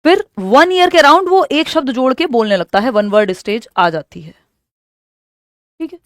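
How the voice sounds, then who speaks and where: A woman with a high voice teaches an exam-prep lesson. She explains each point patiently and reads the questions out slowly. The sound is dry and close, with no room around it. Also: expressive, no echo. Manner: explains in Hindi mixed with English terms, reads questions slowly.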